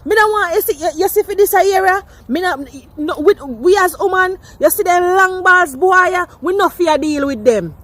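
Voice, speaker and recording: A woman's voice: very high voice, expressive, moderate pace, hardly any pauses, a bit bright. A woman with a Jamaican accent, talking emphatically in patois in an archived street clip.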